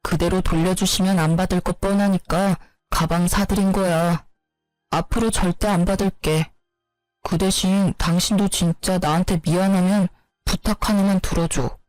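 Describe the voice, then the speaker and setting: Evasive young husband, defensive and smooth-talking, read by a woman. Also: fairly low pitch, fairly even intonation, moderate pace, darkish tone, dry recording, faint music behind, natural voice, rough recording. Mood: calm. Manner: defensive, brushing off accusations.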